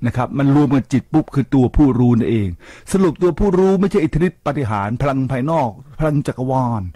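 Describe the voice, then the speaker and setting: Speaking at medium pitch and a quick pace, this older radio host lectures his audience, firing rhetorical questions and mixing in English words. Lively and preachy, he's captured on a studio microphone with no room sound.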